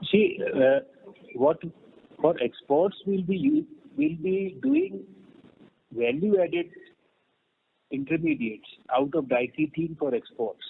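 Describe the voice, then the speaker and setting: Very animated, creaky Indian man on phone. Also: sits high, takes it slowly, long pauses. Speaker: company executive. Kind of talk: answering analyst questions on an earnings call. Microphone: phone conference line. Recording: noisy, narrowband phone conference line.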